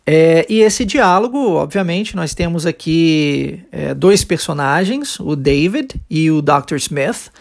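Brazilian Portuguese accent, podcast language teacher, patient, step-by-step explanations, frequent check-in tags, mid-pitched voice. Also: animated, slow, vocal fry, hardly any pauses. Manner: checks in often with short tags. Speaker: English teacher.

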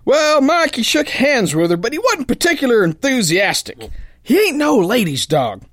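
A man's voice: very high-pitched, big pitch swings, normal speed, a bit bright, no echo, clean studio sound, full character voice. A man playing a tough, cocky, uneducated sailor boxer who tells his yarn in folksy slang for a radio drama. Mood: folksy, easygoing. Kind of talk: pulp radio drama narration and dialogue.

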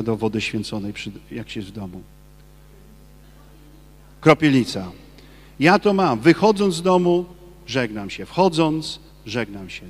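A man, a Catholic priest, giving a lively sermon and firing rhetorical questions at his listeners. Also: on the high side, long reverb tail. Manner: acts out quoted people in his talk.

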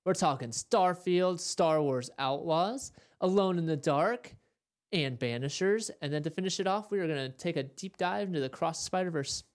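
Upbeat young man, higher voice. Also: normal speed. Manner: laughs easily, chatty and upbeat. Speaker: podcast co-host. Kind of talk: casual chat. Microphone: desk microphone in a home studio setup.

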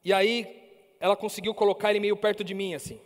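High-voiced Brazilian man preaching in a hall. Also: fast. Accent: Brazilian Portuguese. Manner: animated, acts out dialogue. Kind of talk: sermon storytelling. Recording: reverberant hall, faint music.

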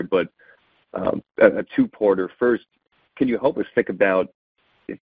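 Deep, husky male analyst on phone. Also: no echo. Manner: polite, wordy, halting. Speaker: financial analyst asking questions. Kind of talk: earnings call question. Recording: dry, narrow phone line.

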